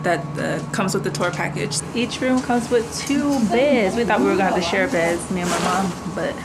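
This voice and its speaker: A woman's voice: mid-range voice, normal speed, loud music behind the voice. A young woman chatting casually to a handheld camera on a travel vlog, informal and laughing often. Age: young adult. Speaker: vlogger. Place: outdoors in rain and street, then hotel room. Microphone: handheld wide-angle camera at arm's length. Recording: loud noise from rain, traffic and wind.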